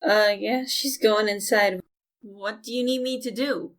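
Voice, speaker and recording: A woman's voice: medium pitch, steady tone, a little slow, natural voice. A woman playing a bossy, exasperated young woman in an audio drama, scolding and sarcastic. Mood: reluctant.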